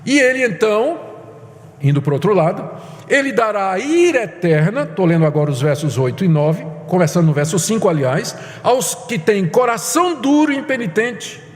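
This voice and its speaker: A man's voice: high-pitched, sing-song, moderate pace. A man preaching a sermon, emphatic and urgent, repeating phrases for weight. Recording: hall reverb.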